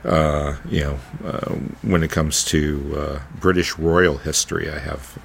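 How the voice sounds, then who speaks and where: Deep-voiced, halting man. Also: fairly even intonation, vocal fry, a little hiss or hum. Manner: halting, stammering, repeats words while searching. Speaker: podcast host. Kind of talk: casual podcast conversation.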